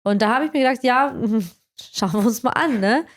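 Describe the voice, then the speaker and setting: A woman's voice: fairly high pitch, animated, moderate pace. A woman interviewing a colleague in a casual chat, talking freely and often ending with tag questions. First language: Croatian. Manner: chatty, frequent tag questions "ne?".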